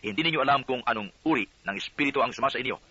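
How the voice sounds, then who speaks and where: A man reading the words of Jesus as a calm, authoritative teacher with a solemn cadence. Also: medium pitch, racing, husky. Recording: dull lo-fi audio.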